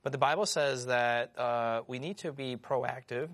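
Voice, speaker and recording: A man's voice: medium pitch, a bit bright. A man hosting a Bible discussion show, posing questions and leading the talk. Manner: questioning, leads discussion, brisk wrap-ups. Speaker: host.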